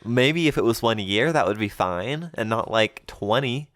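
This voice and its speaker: Man, podcast co-host, very deep voice, smooth and resonant, dry deadpan banter. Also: moderate pace, no room sound. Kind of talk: casual chat.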